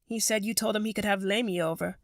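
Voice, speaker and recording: A woman's voice: medium pitch, fairly even intonation, quick pace, dry recording, studio quality, natural voice. Woman voicing an earnest, concerned young boy. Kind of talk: audio drama acting.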